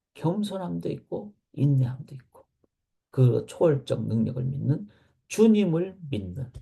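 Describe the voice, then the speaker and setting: A middle-aged man preaching earnestly at a morning prayer meeting, swinging from emphatic rises to soft, hushed passages. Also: medium pitch, creaky, slightly rough. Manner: earnest preaching, rising to emphatic questions then dropping to soft near-whispers. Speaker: pastor.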